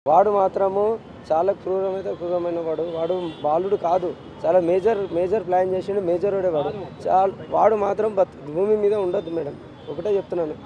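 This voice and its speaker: A man's voice: sits high, steady tone, fairly quick, dark tone, muffled recording, slight background noise. A middle-aged man with a Telangana Telugu accent, a bereaved father giving a street news interview, anguished and insistent as he repeats his demands. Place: outdoors on a city street.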